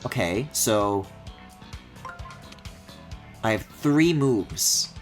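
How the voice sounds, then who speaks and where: A man's voice: fairly low pitch, lively intonation, drawn-out words. A man streaming a video game with casual live commentary, thinking aloud expressively. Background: game music.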